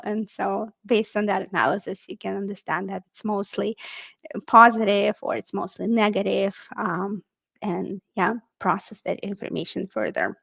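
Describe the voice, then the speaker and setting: A woman's voice: medium pitch, gravelly, a bit bright, dry recording. A woman presenting a technical webinar in a casual, friendly way, with frequent fillers.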